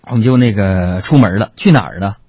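A man telling a comic story, chatty and animated, talking to his listeners as friends. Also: on the low side, brisk, husky, no room sound. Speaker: comedian. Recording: dry lo-fi recording.

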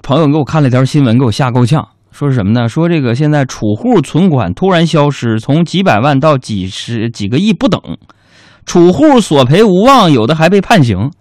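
A man's voice: a little high, sing-song, fairly quick, a little mellow, no room sound, studio quality. A man hosting a radio show with a comic monologue, telling jokes at his own expense. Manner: joking, self-mocking storytelling. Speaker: radio host.

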